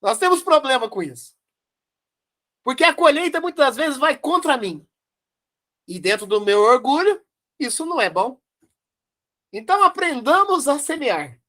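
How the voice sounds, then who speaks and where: A woman with a Brazilian Portuguese accent presents a Spiritist study, speaking slowly and deliberately. Her fairly high voice rises and falls a great deal as she repeats key phrases for emphasis and poses rhetorical questions. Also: sing-song, fairly bright tone. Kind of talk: devotional study commentary.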